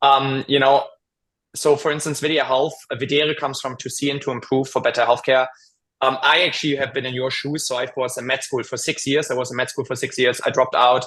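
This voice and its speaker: Here a man speaks fairly quickly in a German accent, at medium pitch. His tone is bright and sharp, the intonation monotone and flat. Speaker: AI dental software company founder. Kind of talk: webinar panel discussion. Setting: online webinar. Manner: many fillers and repetitions.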